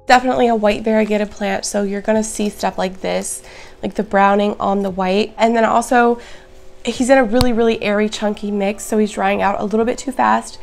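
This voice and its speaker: Hoarse, gravelly-voiced woman vlogger. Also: mid-range voice, fairly even intonation, a little fast, a little mellow. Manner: chatty, upbeat, addresses viewers directly. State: hoarse, raspy voice. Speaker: plant vlogger. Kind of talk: casual show-and-tell vlog.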